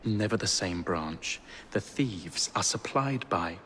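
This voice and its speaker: A man's voice: on the low side, animated, slow pace, a bit bright, slight background noise. An actor playing an earnest undercover police sergeant who insists on his rank in a video game cutscene.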